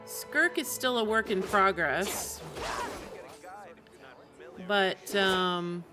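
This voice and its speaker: A woman's voice: medium pitch, extremely slow. Casual woman streamer with music behind her. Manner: informal, rambling, thinking aloud. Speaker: video game live streamer. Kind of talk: casual chat while streaming a game. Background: video game music.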